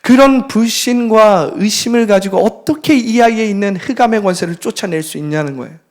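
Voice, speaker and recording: A man preaching a sermon as pastor, acting out scripture with fervent rebukes that swing between loud and hushed. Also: high voice, fairly quick. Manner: impassioned preaching, dramatic quoted rebukes, sudden loud and soft swings. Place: church sanctuary.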